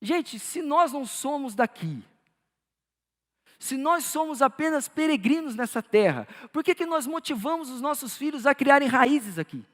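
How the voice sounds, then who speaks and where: High-voiced pastor preaching in a reverberant church. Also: male voice, animated, normal speed. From Brazil. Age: adult with a child. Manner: preaching with rising emphasis, then dropping into soft, low storytelling. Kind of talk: sermon. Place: church auditorium. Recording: live church sound with long hall reverb.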